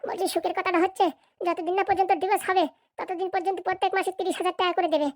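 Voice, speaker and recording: A woman's voice: very high-pitched, level tone, racing, dry recording, studio quality. A woman voicing an eager, deferential young village son in a comedy cartoon, with stammering starts. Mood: hesitant, eager.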